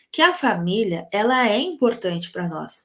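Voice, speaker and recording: Animated in tone, a woman speaks at a moderate pace with very wide pitch swings. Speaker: teacher. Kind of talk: online class lecture.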